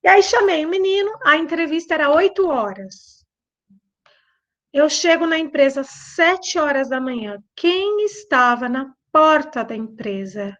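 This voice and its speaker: A middle-aged woman with a Brazilian Portuguese accent tells a story in a high, bright voice. She repeats phrases for emphasis and acts out the dialogue. The recording sounds dull and lo-fi. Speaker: lecturer and behavioral trainer. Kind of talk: storytelling talk.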